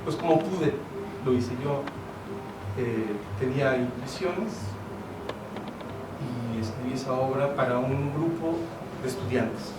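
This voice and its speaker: A Mexican playwright talking casually about his work at a public event, relaxed and conversational, with plenty of fillers and slang. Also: medium pitch, slow pace, long pauses, loud music behind the voice. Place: event hall. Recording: roomy, distant mic with noisy ambience.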